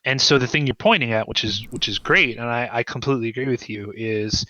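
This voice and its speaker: A man speaking as a podcast guest, discussing fiction in a reflective, analytical way with deliberate emphasis. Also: mid-range voice, pushed and bright, no echo, lo-fi sound.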